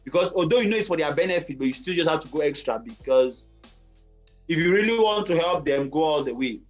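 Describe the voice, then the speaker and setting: Podcast host guy, fairly high voice, lots of yeahs, slow points, bit of music under it. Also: lively intonation. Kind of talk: podcast conversation.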